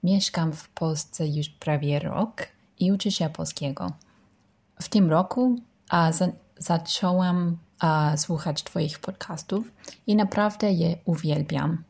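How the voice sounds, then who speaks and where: A woman in her thirties from the United Kingdom, a native English speaker with a British English accent in her Polish, speaking haltingly in an informal self-introduction. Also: on the low side, darkish tone. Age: 30s. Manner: halting, hesitant learner's delivery. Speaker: listener sending a voice message.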